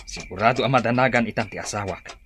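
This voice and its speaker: An actor playing a steadfast tribal leader and reassuring husband in a radio drama, with a bright, husky voice. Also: male voice, on the low side, fast, background noise, lightly acted. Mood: musing.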